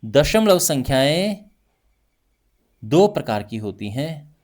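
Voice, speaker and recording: A male math teacher giving a lively classroom lesson, talking through each point with frequent check-ins to his students. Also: a little high, takes it slowly. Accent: Hindi.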